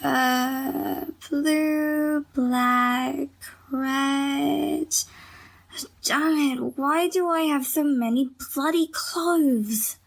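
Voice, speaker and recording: A woman's voice: high voice, steady tone, drawn-out words, creaky, exaggerated voice. A woman playing an irritable, gloomy young woman in an audio drama, terse and sardonic. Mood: grumbling.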